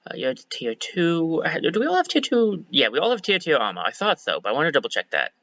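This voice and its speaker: A slightly hoarse man streaming a game, chatting casually and thinking aloud as he corrects himself. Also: fairly high pitch, wildly swooping pitch, a little fast, pushed and bright, no room sound, highs cut off. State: a bit hoarse. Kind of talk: casual let's-play commentary.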